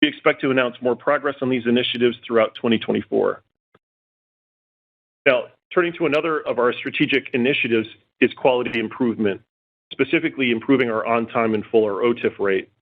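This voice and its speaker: A man in the role of chief executive reading scripted earnings call remarks in a formal, measured way over a conference phone line. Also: mid-range voice. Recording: tinny narrow-band phone line.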